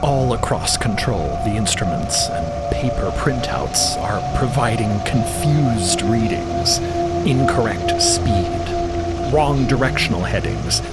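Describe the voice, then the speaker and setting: A man's voice: mid-range voice, wildly swooping pitch, slow pace. A man narrating a scripted audio drama. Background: loud music.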